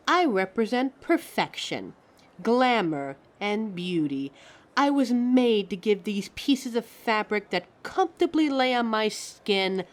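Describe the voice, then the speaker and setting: A woman playing a vain, easily offended talking fashion mannequin in a scripted audio roleplay, theatrical, condescending and fussy. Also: medium pitch. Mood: proud, boastful. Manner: theatrical, condescending, fussy, calls listeners darling.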